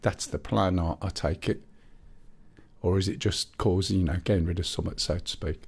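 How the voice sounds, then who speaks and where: A man's voice: sits low, steady tone, moderate pace, gravelly, a little mellow, husky. A man with a Black Country accent chatting casually while live-streaming a flight game and reading viewer chat aloud.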